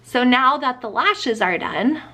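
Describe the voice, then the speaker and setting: A woman's voice: high voice, animated, unhurried, pushed and bright. A young adult woman chatting casually through her makeup and hair routine, her voice nasal from a cold. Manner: chatty, explaining steps with fillers. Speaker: beauty vlogger. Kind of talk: casual get-ready-with-me chat.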